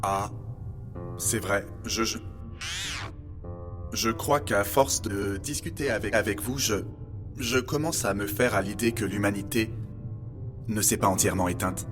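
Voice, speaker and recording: Robot narrator male actor: low, formal, didactic, earnest, scored audio fiction. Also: a little slow, long pauses, lightly acted. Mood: hesitant, moved. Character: polite, earnest male robot guide recounting humanity's end. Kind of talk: scripted documentary fiction narration. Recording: music bed behind the voice. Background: music.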